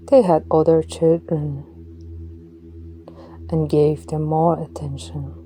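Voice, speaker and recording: A woman with a low, very dark and mellow voice guides a meditation at an unhurried pace. Her delivery is soft, and some words fall away into a breathy whisper. A faint hiss sits behind her. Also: low-quality recording.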